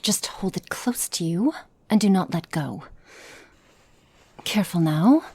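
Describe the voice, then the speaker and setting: A woman's voice: lowish voice, animated, a little slow, a little mellow, husky, no echo, exaggerated voice. A woman voicing a stern, impatient witch in an ASMR roleplay, giving curt commands and muttering whispered notes. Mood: commanding. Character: stern, impatient adult female witch experimenter. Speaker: roleplay performer.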